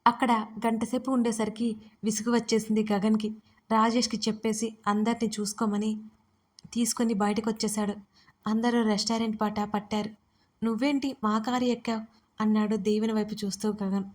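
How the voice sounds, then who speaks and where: A woman narrating an audio story in a steady, measured reading. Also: medium pitch.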